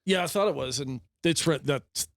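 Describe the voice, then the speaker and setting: A man chatting as a podcast guest, excitable and rambling, with stumbling restarts and casual swearing. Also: a little high, moderate pace, gravelly, no room sound, studio quality. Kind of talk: casual chat.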